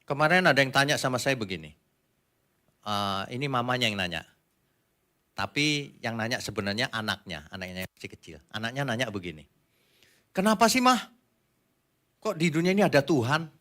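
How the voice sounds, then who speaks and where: A man, a pastor, preaching a sermon in a conversational way, asking the congregation questions and moving between quiet asides and loud emphatic lines. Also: fairly low pitch.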